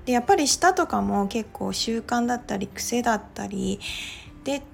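A woman's voice: a little high, animated, normal speed, creaky. A woman talking casually on her own podcast, chatty and full of little fillers as she goes. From Japan. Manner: chatty, many filler "well"s. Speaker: podcast host. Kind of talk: casual monologue.

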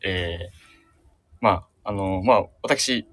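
Male guest, fairly low pitch, self-conscious rambling storyteller. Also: slow, fairly bright tone, no echo, studio quality. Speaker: radio show guest, shop staff member. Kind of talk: casual chat and anecdote telling. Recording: remote connection audio.

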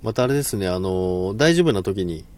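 Deep-voiced man laughing through a casual stream. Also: animated, fairly quick, a little mellow. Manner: laughs often, polite and self-deprecating, stumbles over words. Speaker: live stream host. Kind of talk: casual live chat.

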